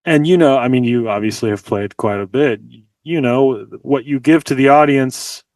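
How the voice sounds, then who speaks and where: A man's voice: mid-range voice, moderate pace, darkish tone, no echo. A man from the US, a guest musician talking casually over a video call and filling his sentences with "like". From Los Angeles, United States. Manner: chatty, leans heavily on "like" fillers. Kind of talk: casual interview chat. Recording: dry, slightly distant mic.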